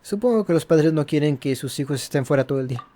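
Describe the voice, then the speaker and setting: A man's voice: fairly high pitch, expressive, very fast, dark tone. A man hosting a gaming video, commenting casually and rambling as he searches for words and rephrases. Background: game music.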